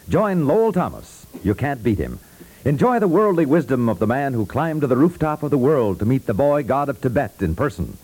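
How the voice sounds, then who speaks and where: Animated 1950s male radio announcer. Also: medium pitch, poor audio. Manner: polished, selling. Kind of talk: 1950s network radio promo, scripted. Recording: vintage 1950s network radio recording.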